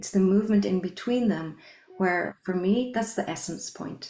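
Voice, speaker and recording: With an Irish accent, a woman speaks at a medium pitch and fairly even intonation. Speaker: conscious dance teacher. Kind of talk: panel discussion. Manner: halting.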